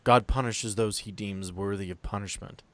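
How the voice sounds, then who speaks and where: A man's voice: on the low side, steady tone, no room sound, lightly acted. Man playing a stubborn, devout middle-aged landowner. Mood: pious, stern. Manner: formal, deliberate, unyielding.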